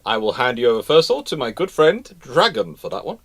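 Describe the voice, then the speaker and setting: A man's voice: medium pitch, very animated, fast, fairly bright tone. A man hosting a casual live question-and-answer show, talking emphatically and rephrasing his points for stress. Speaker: host of a naval history question show.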